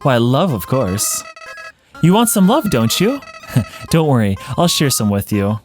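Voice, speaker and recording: A man's voice: medium pitch, big pitch swings, a little slow, soft background music. A man voicing a fake-friendly, sinister little game creature with a wheedling, taunting manner. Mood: falsely sweet. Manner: wheedling, taunting, mock-sweet. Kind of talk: game dialogue read-along.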